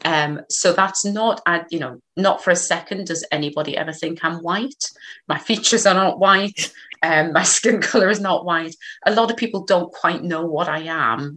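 A woman's voice: fairly low pitch, fairly bright tone. A woman with a slight Geordie accent hosting an online discussion, chatty and a little hesitant. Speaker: host. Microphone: video call.

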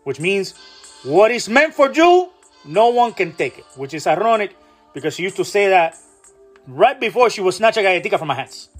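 A man's voice: sits high, sing-song, normal speed. A man playing a dramatic, pompous Latino speechmaker, giving a rousing mock-inspirational pre-game pep speech in Spanish-accented English. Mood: solemn, proud. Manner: solemn, theatrical, rousing delivery. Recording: music behind the voice.

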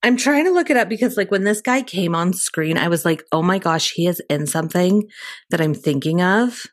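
Lower-voiced woman, easygoing. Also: expressive, normal speed, dry recording, clean studio sound. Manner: agreeable, brief replies, laughs. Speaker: podcast co-host. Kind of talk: casual movie review chat.

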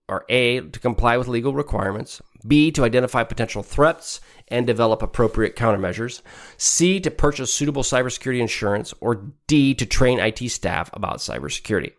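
A middle-aged man, congested from a cold, who casually reads exam questions aloud and then reasons his way to the answers as a podcast tutor. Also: medium pitch. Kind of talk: talking through exam questions.

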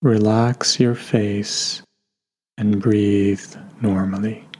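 Slow, low-voiced man guiding meditation. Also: little pitch movement, slightly rough. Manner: gentle, unhurried instruction with long pauses. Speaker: meditation guide. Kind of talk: guided meditation narration. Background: soft background music.

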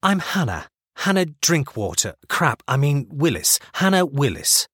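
A man's voice: a little high, sing-song, unhurried, a bit bright, breathy edge, dry recording, clean studio sound, voice pushed up, heavily acted. A man voicing a flustered, polite young woman who hesitates and slips over her words.

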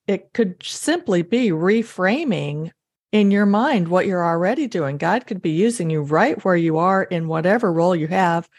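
A woman's voice: mid-range voice, darkish tone, no echo, studio quality. A woman hosting a faith podcast, speaking, affirming and eager, often speeding up in bursts. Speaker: podcast host. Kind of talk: casual faith interview.

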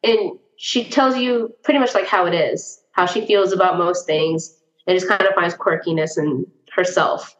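A woman's voice: fairly low pitch, moderate pace. A woman co-hosting a book podcast, talking casually and chattily, laughing often and swearing now and then. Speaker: podcast co-host. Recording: echoey room, dull lo-fi sound.

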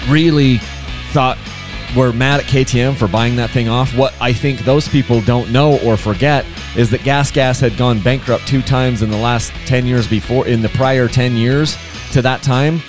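A man's voice: medium pitch, steady tone, moderate pace, music in the background. A man hosting a casual solo podcast, chatty and enthusiastic, rambling with frequent restarts. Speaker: podcast host.

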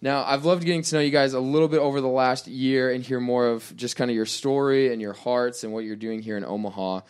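A man's voice: mid-range voice, steady tone, a little fast, darkish tone, smooth. A man, a pastor hosting a casual podcast interview and asking friendly, open questions.

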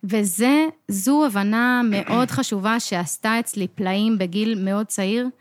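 A woman's voice: mid-range voice, no echo, studio quality. A young adult woman co-hosting a podcast as a coach, explaining earnestly in casual chat and acting out the voices in her head.

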